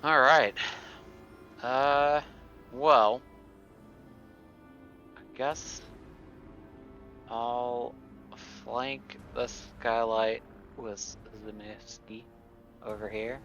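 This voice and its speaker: A man's voice: mid-range voice, steady tone, extremely slow, long pauses, pushed and bright, faint music behind. A man playing a tabletop game, talking casually and hesitantly as he thinks his move through, on a dull lo-fi recording.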